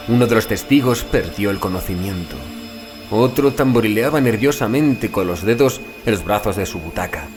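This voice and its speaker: A man narrating a horror audiobook in a dramatic, solemn and deliberate literary manner. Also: on the low side. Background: background music.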